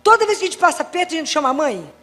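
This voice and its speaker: A Catholic doctor giving a faith talk, telling anecdotes and acting out dialogues with wry humor. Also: female voice, high-pitched, very animated, rapid-fire, pushed and bright, long reverb tail. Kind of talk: preaching talk with lively anecdotes.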